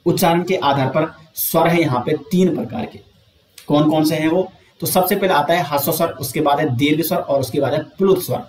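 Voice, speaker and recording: Male teacher, exam coaching lesson, answers his own questions, drawn-out demonstration sounds, echoey room. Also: fairly high pitch, a little mellow. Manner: draws out sounds slowly to demonstrate them.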